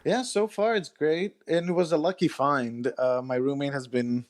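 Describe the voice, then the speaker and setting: A man with a slightly high voice speaks as a guest writer in a casual interview. His delivery is halting, as he thinks aloud and rephrases along the way. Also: steady tone. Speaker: guest author. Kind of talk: casual chat.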